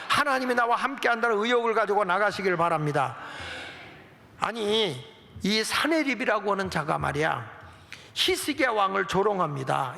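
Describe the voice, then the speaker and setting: High, gravelly preacher in a reverberant hall. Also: male voice. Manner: animated storytelling preacher, acts out prayers and taunts. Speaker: pastor. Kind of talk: sermon.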